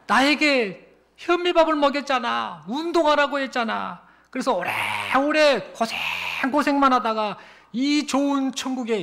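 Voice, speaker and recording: A cranky old grandfather snaps and yells at his wife, as a male preacher acts him out. His voice climbs high and loud with grumbling complaints. He sounds strained and fed up. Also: vocal fry, exaggerated voice. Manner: irritable, shouting complaints.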